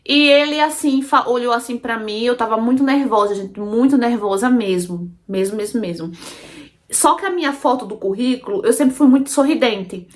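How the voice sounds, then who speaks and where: A woman's voice: on the high side, normal speed. A Brazilian woman telling her own story in a casual, chatty way, often calling out to her listeners and repeating phrases for emphasis. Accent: Brazilian Portuguese. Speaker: storytelling channel host. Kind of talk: casual first-person storytelling.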